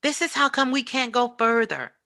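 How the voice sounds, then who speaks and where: A woman's voice: a little high, lively intonation, normal speed, bright, forceful tone, dry recording, clean studio sound. A woman giving a spiritual motivational talk, speaking emphatically and repeating phrases for effect. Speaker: spiritual teacher and show host, as guest.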